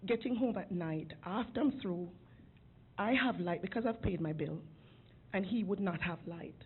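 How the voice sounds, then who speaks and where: A woman's voice: fairly low pitch, moderate pace. A woman making an earnest, emotional public comment at a city council podium microphone. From outside Georgia. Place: city commission chamber. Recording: phone-like lo-fi council recording with faint hiss.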